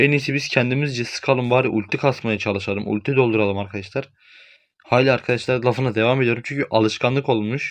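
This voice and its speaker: Against a quiet background, a man with a medium pitch and an animated tone talks at a very fast pace. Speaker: gaming youtuber. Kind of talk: gameplay commentary.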